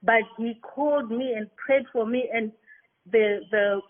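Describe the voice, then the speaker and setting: Female, Zimbabwean accent, fairly high voice, earnest and halting testimony, narrow phone-like sound. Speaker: party member giving a testimony. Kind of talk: spontaneous personal testimony to a meeting. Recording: tinny, band-limited online call audio.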